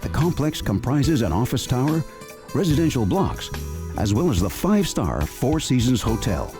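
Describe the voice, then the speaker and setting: A man's voice: mid-range voice, sing-song, normal speed. A man giving polished, scripted documentary narration as a program narrator. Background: music bed.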